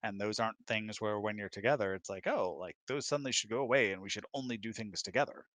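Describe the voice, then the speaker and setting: A man's voice: on the low side, fast talker, a bit bright, no room sound. A middle-aged man in a casual relationship chat, speaking informally and often acting out imagined quotes. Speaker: guest on spouse's hangout.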